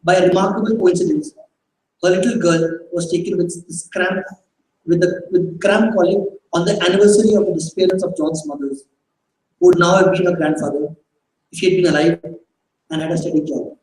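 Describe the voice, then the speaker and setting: A man reads a story to a live crowd, hesitant and often correcting himself. His voice is notably high for a man. It echoes strongly through a large hall and sounds distant, with faint noise underneath. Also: steady tone, brisk, darkish tone. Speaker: performer reading a short story aloud.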